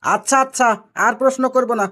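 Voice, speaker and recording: A woman's voice: on the high side, fairly even intonation, fairly quick, a bit bright, natural voice. A woman voicing a maddeningly literal cartoon husband with a Rajshahi Bengali accent, innocently and persistently questioning. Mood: placating, obtuse. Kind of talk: comic cartoon dialogue.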